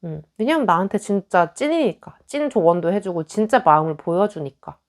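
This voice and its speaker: A young woman gives a casual tarot reading, chatting along as she lays out the cards. Her pitch is lively and moves a lot, and she slips into little acted-out lines of what other people might say. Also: brisk. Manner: chatty, acts out quoted lines. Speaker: tarot reader.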